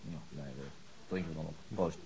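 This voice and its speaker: An actor playing a weary, middle-aged chief inspector in a radio drama, gruff and dry, with hesitant, understated speech. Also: male voice, rumbling low, steady tone, fairly quick, very noisy. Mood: mellow, wry. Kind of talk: naturalistic radio drama acting.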